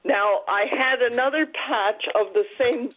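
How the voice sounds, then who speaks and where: A woman calling in to a radio show on speakerphone, telling her story haltingly with many pauses. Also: fairly high pitch. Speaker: radio call-in caller. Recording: tinny speakerphone line, somewhat distant.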